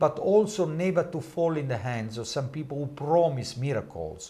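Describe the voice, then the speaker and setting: This man's voice is somewhat breathy. It carries a dark, mellow tone. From Italy. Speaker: cardiologist; guest. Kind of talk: interview presentation. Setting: studio. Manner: halting. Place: studio. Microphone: lapel.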